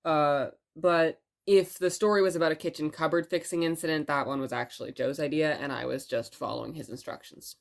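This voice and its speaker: A woman playing a chatty, playful radio host in an audio drama, telling stories in a conversational, wry and expressive way. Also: deep voice, brisk, creaky, few pauses. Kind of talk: audio drama radio broadcast and scripted narration.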